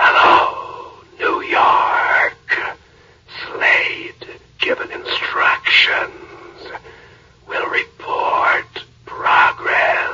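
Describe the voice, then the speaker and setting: A hissing, raspy whisper in a put-on character voice. It moves at a very slow pace, with long, frequent pauses. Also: man. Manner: whispered.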